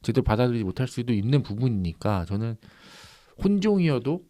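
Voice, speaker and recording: A man co-hosting a book podcast, explaining his view in a measured, step-by-step way. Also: mid-range voice, sing-song, dark tone, no echo, clean studio sound. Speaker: podcast co-host. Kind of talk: casual book discussion.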